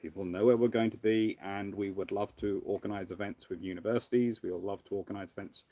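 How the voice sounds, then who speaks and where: A man hosting a casual live question-and-answer stream, thinking aloud in a halting, rambling way. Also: fairly low pitch, steady tone, mellow, no room sound. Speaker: livestream host, naval historian. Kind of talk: casual live Q&A with off-the-cuff commentary.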